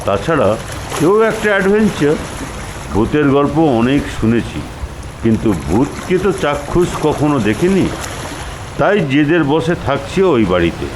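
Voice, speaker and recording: An older man reading a Bengali ghost story aloud in first person, expressive and unhurried. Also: on the high side, reverberant, long reverb tail. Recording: background noise.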